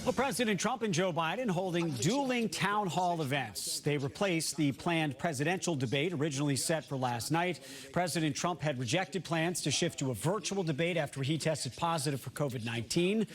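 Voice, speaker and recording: A man's voice: fairly high pitch, normal speed, hardly any pauses. A man with an American accent reading the news as a broadcast anchor.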